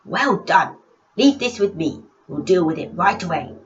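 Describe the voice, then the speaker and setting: Woman playing a low, measured village leader. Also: big pitch swings, lo-fi sound. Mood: measured, questioning. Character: calm, authoritative male village community leader.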